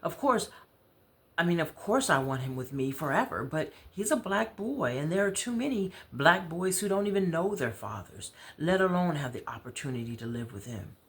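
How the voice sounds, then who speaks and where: An American woman voicing a troubled, proud mother in a story, confiding in a halting, conversational way. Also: deep voice, sing-song. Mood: weary.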